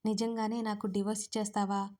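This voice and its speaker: A woman's voice: mid-range voice, little pitch movement, quick pace, mellow, close to an everyday voice. A woman voicing an injured, irritable young man who asks plaintively and snaps back, in a Telugu audio story. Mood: irritated.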